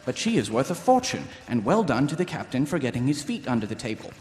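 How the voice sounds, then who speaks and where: A man acting an innocent young watchman in a staged radio play. He sounds earnest and literal, with lively swings of pitch, in a very reverberant hall. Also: fast, lightly acted. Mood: earnest, proud. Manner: earnest, stiffly literal recitation. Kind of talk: live radio comedy acting. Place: live on stage in a large hall. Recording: echoey hall, live stage performance.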